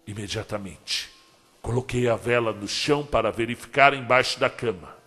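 A man reading a short story aloud as narrator, dramatic and emotional, with long pauses. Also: mid-range voice. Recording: long hall reverb, soft music behind. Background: soft background music.

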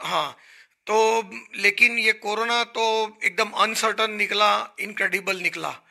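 Gravelly, bright-voiced Indian man. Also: sits high, fairly even intonation, slow pace. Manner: earnest, explanatory, with fillers. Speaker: hotel association guest. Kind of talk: talk show interview. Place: small studio set, indoors. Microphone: handheld mic.

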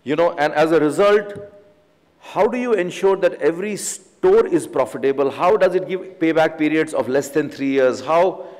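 A man's voice: on the high side, normal speed, darkish tone. A man in his forties with an Indian English accent, a company chief executive giving an earnest conference keynote from a podium, often saying "you know". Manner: earnest, emphatic business advice, frequent "you know" fillers. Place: large conference hall stage, at a podium. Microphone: podium microphone. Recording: reverberant conference hall.

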